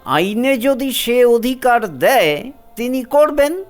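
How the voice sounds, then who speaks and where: A man playing a patient, devoted old head of a household in a story, speaking in a measured, gentle but firm way. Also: very high voice, lively intonation, heavily acted. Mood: resigned. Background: music.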